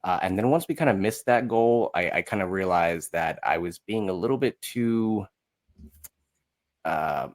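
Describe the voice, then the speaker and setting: Male podcast guest, low-pitched, informal and unscripted, often feeling around for the right word. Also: lively intonation, unhurried. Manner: informal, hesitant, searching for words. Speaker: podcast guest, musical creator. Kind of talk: casual interview chat.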